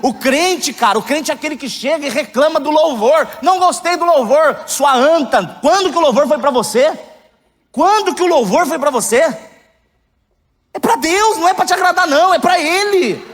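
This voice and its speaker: Man in his thirties preaching, high voice. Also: lively intonation, normal speed. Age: 30s. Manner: candid, joking, rising to loud emphatic outbursts. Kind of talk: sermon. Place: church hall. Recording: long hall reverb.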